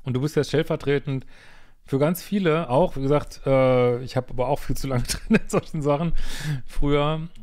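A psychologist commenting on a viewer's letter in casual, blunt talk, exasperated and swearing freely, with halting restarts and frequent tag questions. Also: male voice, on the high side, fairly even intonation, a little mellow.

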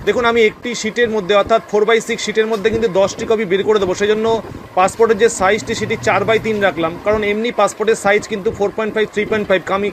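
Brisk, high-voiced Bengali man. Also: slight background noise. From West Bengal, India. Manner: brisk, instructive, addresses viewers as friends. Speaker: cyber cafe owner and channel host. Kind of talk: explanatory voice-over narration.

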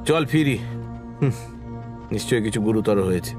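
A man's voice: on the low side, lively intonation, moderate pace, natural voice. An actor playing an anxious but hopeful man, talking conversationally in an audio horror drama. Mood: flustered, worried. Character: anxious Bengali man, friend of the narrator, uneasy but hopeful. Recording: music behind the voice.

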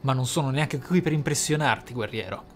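Brisk and medium-pitched, this gamer narrates a role-playing let's play while game music plays. He thinks aloud with theatrical interjections, and there's slight background noise.

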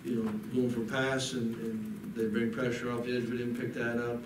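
A middle-aged man, a head coach at a postgame press conference, talking haltingly with many restarts into a desk mic. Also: mid-range voice, little pitch movement. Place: press room in front of a backdrop. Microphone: table mic on a desk. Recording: echoey room, mic a bit far, audible noise.

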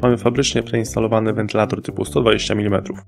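A man reading a scripted product review voice-over in a precise, measured technical way, over soft music. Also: on the low side, level tone, creaky. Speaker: hardware reviewer.

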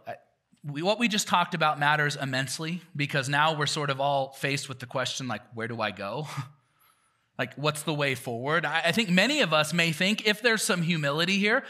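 A man preaching a sermon as pastor, conversational and animated, sometimes laughing at himself. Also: fairly high pitch.

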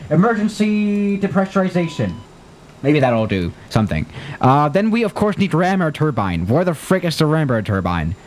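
Chatty young male streamer, slightly high. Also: moderate pace. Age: young adult. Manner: chatty, excitable, flustered by emergencies. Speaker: flight sim streamer. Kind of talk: live-stream commentary. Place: small room indoors. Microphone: studio mic on desk.

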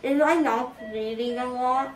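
Groggy, slow young woman fresh from anesthesia. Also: high-pitched, recorded from a distance. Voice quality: muffled speech from gauze-packed mouth. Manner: groggy and slurred from anesthesia, disoriented. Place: small indoor clinic recovery room. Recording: roomy clinic, off-mic, background music.

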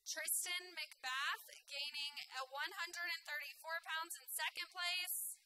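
A woman's voice: extremely high pitch, fairly even intonation, slow, pushed and bright, a little hiss or hum. A woman makes announcements to an audience as the announcer at a live event. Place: indoor livestock show arena. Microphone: event microphone.

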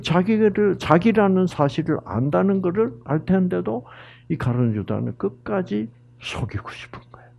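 A middle-aged man preaching a sermon, telling a story and questioning his listeners, dropping to whispers and rising to loud exclamations. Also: sits high, animated, moderate pace, creaky, highs cut off.

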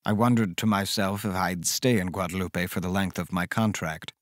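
An actor playing a caring, reflective man who recounts eerie events in measured, dramatic first-person horror narration. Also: deep voice, steady tone, no room sound, clean studio sound, lightly acted. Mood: uneasy, reflective. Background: music underneath.

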